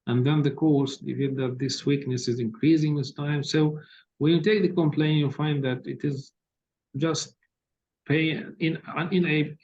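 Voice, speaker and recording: Soft-spoken gravelly man giving exam feedback. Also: fairly even intonation, unhurried. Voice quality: low soft voice. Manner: hesitant, many fillers, corrective and direct. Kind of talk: online tutoring feedback session. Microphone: laptop on a video call. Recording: dull lo-fi video call audio with faint hiss.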